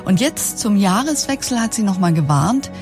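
A woman's voice: mid-range voice, lively intonation, normal speed, music in the background. A woman presenting a news feature, reading scripted narration and asking questions in a conversational way.

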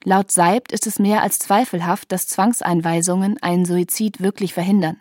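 A woman reading scripted documentary narration in an even, informative way. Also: on the low side, moderate pace, dry recording.

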